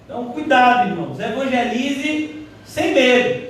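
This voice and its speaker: A man preaching a sermon as pastor, animated, mimicking the voices of doubters, recorded in a church hall from a distance. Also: very high voice, a little slow, slight background noise. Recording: echoey hall, heard from a distance.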